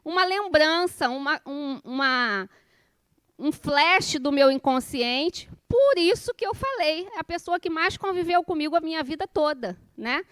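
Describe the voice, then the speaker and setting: A woman in her forties with a Rio Brazilian accent teaches a class informally. Her voice sits high and is picked up dry and close, with very little room in it. She talks colloquially, like someone telling personal stories, and keeps turning to her listeners with questions and small checks for agreement. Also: animated, unhurried, fairly bright tone, no room sound. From Rio de Janeiro, Brazil. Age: 40s. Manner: conversational, colloquial, personal storytelling. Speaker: spiritist course lecturer.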